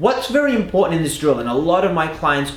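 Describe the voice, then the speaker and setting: A man with an Australian accent at a very fast pace, very wide pitch swings, audible room echo and noticeable background noise. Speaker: accent coach. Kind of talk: tutorial.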